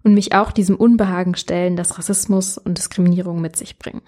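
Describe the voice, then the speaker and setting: A woman's voice: on the low side, steady tone, fast, darkish tone. A woman hosting a podcast interview, who reads a statement aloud and asks friendly, hesitant questions. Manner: friendly and hesitant, with many fillers when asking questions. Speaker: podcast host. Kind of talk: reading a quote aloud and interviewing.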